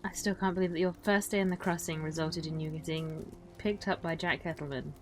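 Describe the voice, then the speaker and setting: A woman playing a wry, self-possessed western traveler, recounting tales casually with dry understatement and deliberate, hesitant phrasing. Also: deep voice, steady tone, music in the background, lightly acted. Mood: amused disbelief. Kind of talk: casual in-character campfire storytelling.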